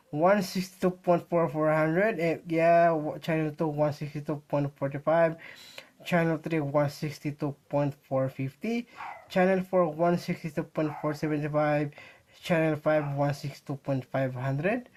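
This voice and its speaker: A man with a Filipino accent talks casually to viewers in an unboxing vlog, halting and repeating himself as he thinks aloud. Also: fairly high pitch. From Philippines. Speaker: vlogger. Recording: noisy home recording with clicks.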